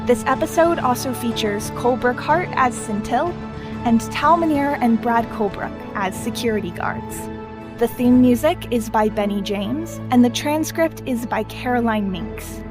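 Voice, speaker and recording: A woman's voice: on the high side, animated, normal speed. A woman reading scripted end credits as an announcer. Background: music.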